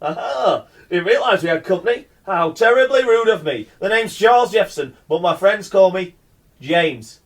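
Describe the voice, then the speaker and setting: Casting: male actor as unhinged, menacing storyteller for radio drama, high-pitched, theatrical, swerving from rambling to threats. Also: animated, moderate pace. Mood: brash. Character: foul-mouthed, menacing, rambling madman telling absurd tales. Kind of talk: radio play monologue.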